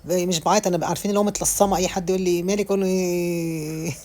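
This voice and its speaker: Fast-talking Egyptian woman vlogger. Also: lowish voice, flat delivery, darkish tone. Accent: Egyptian Arabic. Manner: chatty, rambling, with frequent restarts. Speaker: home vlogger. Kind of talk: casual voice-over while cleaning. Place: at home.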